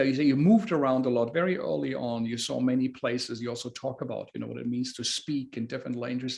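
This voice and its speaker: A man with a medium-pitched voice hosts a conversational book talk. He speaks haltingly, often pausing and repeating words as he works toward his point. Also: creaky, darkish tone. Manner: halting, hesitant phrasing with frequent repeats. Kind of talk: interviewing, conversational introduction.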